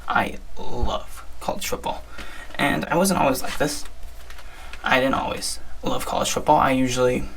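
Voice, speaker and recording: A hoarse young man hosting his own podcast, giving chatty, upbeat sports talk with frequent restarts. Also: mid-range voice, moderate pace, fairly bright tone, slight background noise, low-quality recording. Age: young adult. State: hoarse, strained voice. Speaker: podcast host. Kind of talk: casual solo sports talk.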